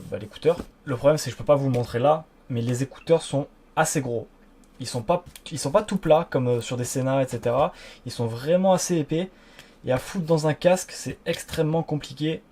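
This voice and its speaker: A man's voice: medium pitch, mellow. A man giving a casual product review in an informal, slangy way, with frequent hesitations.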